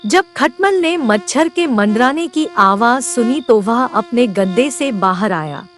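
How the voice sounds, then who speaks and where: A woman narrating a children's moral story in an expressive storytelling voice. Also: on the high side, measured pace, faint music behind.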